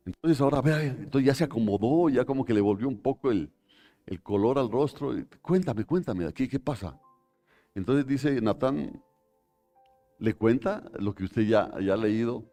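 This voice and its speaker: A man's voice: medium pitch, normal speed, dark tone, soft background music. A man with a Colombian accent preaching a live sermon in church, retelling a scripture story dramatically, full of rhetorical questions. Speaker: pastor.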